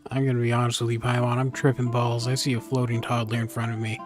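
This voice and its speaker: A man's voice: medium pitch, completely flat delivery, fast talker. A man giving casual, playful and irreverent commentary as he plays a video game. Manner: irreverent, crude humour, playful. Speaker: gamer, streamer. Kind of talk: casual joking game commentary, reading some dialogue aloud. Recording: game music behind the voice. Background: video game music.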